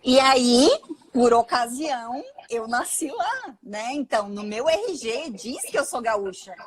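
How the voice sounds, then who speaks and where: A woman's voice: on the high side, lively intonation, measured pace, breathy edge. A woman from southern Santa Catarina hosting a casual live-stream interview, chatty and prone to digressions. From southern Santa Catarina, Brazil.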